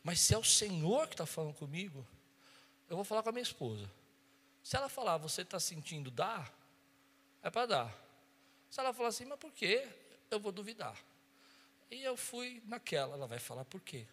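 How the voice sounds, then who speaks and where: A man preaching as pastor, moving from quiet storytelling to loud, impassioned calls. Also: high-pitched, very animated, brisk, long pauses, big-room sound. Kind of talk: sermon. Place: church.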